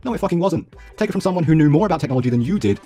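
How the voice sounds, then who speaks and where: A husky-voiced man in his twenties tears through a scripted rant. His delivery swings widely in pitch and rushes along. He is heated and profane, with faint music playing under him. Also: animated, warm tone. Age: 20s. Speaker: YouTuber responding to a critic.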